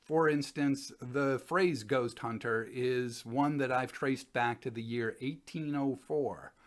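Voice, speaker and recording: An older man speaks to camera from a room at home. His pitch is middling and his delivery is a casual, conversational explanation, as a presenter would give. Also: slow.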